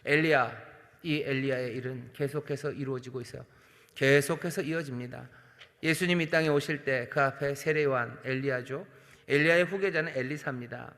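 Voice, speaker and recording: The long hall reverb of a large church sanctuary surrounds a senior pastor preaching earnestly at a night prayer service. His medium-pitched voice rises in emphatic swells and falls soft as he addresses the congregation directly and gives voice to God's questions.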